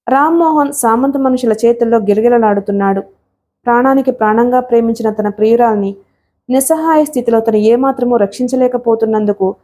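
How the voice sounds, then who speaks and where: A woman narrating a dramatic novel in a steady, expressive storytelling voice. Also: a little high. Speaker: audiobook narrator.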